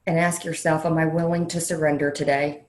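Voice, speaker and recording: A woman leading a guided meditation in a slow, soothing way, leaving long pauses between phrases. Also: deep voice, level tone, background noise. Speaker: meditation leader, counselor educator. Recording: roomy, echoey sound.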